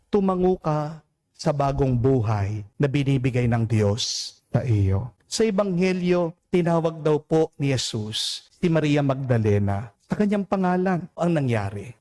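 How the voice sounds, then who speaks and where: A Filipino priest giving a homily, preaching slowly and deliberately, drawing out English phrases and asking his listeners "Amen?". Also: fairly high pitch, darkish tone. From Philippines. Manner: slow, deliberate preaching with emphatic rises and drawn-out English phrases; addresses listeners as "mga kapatid" and asks "Amen?".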